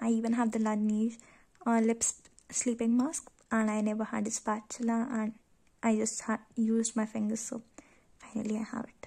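A woman speaks at a moderate pace in a dark, mellow tone, somewhat breathy. Her intonation is monotone and flat. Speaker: beauty and skincare YouTuber. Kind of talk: casual unboxing review to camera. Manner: hesitant, stuttering. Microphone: phone near.

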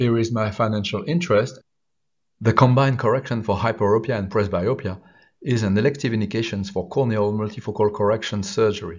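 This man has a French accent and a fairly low pitch with ordinary variation. His voice is somewhat breathy. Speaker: ophthalmic surgeon. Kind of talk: medical conference presentation.

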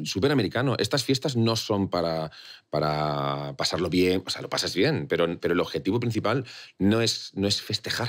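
With a Castilian accent, a man speaks in a calm tone at a moderate pace, his pitch fairly low. His pitch swings very widely, and the background is quiet. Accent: Castilian Spanish, Valladolid-style. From Andalusia, Spain. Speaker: actor. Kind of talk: interview answer. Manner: calm, hesitant with repetitions. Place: studio. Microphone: studio mic.

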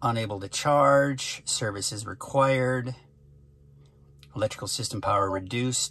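A man talks at a fairly slow pace with light background noise present. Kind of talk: casual vlog chat. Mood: mildly worried, calm. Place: car. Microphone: phone near.

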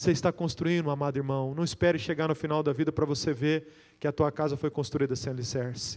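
Against a quiet background, a man with a fairly high pitch talks at a fairly quick pace in an unremarkable speaking voice. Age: 30s. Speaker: pastor. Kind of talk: sermon. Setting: church service, streamed online. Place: church. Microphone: handheld.

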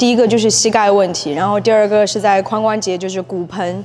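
Faint music plays behind a woman talking at a fairly quick pace with ordinary pitch variation. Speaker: gym trainer. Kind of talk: interview answer / tutorial. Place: gym.

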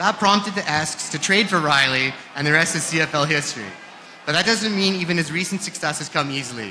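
A man's plain, everyday voice, fairly high in pitch, with lively intonation and a fairly quick pace, over light background noise. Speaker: university recruitment officer, event announcer. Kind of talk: scripted introduction. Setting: stage with audience. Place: hall. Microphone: podium.

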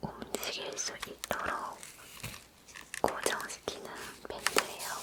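Clearly audible background noise surrounds a whisper delivered very slowly. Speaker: ASMR creator. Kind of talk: ASMR unboxing. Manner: whispered.

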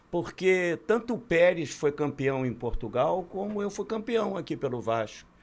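At a moderate pace, a man with a high pitch talks in very wide pitch swings. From Brazil. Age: 70s. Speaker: former footballer and radio pundit; radio pundit. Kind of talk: casual interview chat. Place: studio. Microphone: studio mic.

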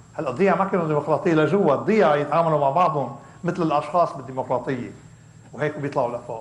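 A man with a Lebanese accent, ordinary pitch variation, and light background noise. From Lebanon. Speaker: professor, author. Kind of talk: university lecture. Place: hall. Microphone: podium.

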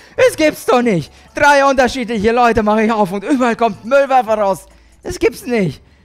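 Faint background music accompanies the clip. The man talks at a moderate pace. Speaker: game streamer. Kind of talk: casual live-stream commentary.

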